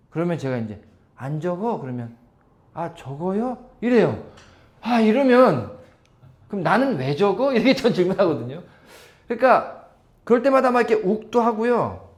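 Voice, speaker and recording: A man speaks at a high pitch, his pitch swinging very widely, with long, frequent pauses. Room echo is audible. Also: moderate pace. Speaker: pastor. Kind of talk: sermon. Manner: slurred at times; conversational.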